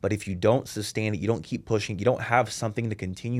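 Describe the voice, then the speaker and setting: Speaking very fast with an American accent, a man is heard on a very clean recording with a silent background. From US, Seattle. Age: 20s. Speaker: fitness and mindset coach. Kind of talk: casual chat. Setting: studio.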